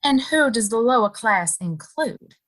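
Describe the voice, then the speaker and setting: A woman playing a loyal, quietly defiant saloon bartender in a Western audio play, speaking in a guarded way. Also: on the high side, expressive. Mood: wary. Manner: measured, guarded, sighing.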